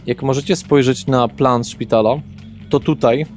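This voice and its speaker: As game master of a tabletop roleplaying session, a man narrates and explains things conversationally. His medium-pitched voice is steady in tone and a little slow, with guitar music playing in the background.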